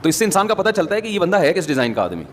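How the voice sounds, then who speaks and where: A man's voice: sits high, big pitch swings. Male preacher, echoing hall. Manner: conversational, joking asides to the audience. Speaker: Islamic preacher. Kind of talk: sermon. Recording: long hall reverb, faint ambience.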